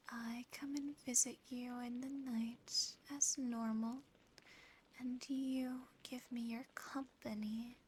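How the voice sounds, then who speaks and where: A woman voicing an affectionate, possessive female demon in a soothing, intimate, softly teasing whisper for an ASMR roleplay. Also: on the high side, low-quality recording. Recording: close whisper over clear background noise.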